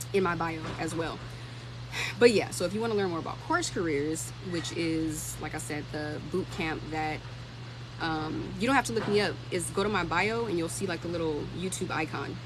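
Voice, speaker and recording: A woman whose voice sits low hosts a casual livestream, informally thinking aloud as she answers comments, with background noise present. She's thirty and creates content about tech careers.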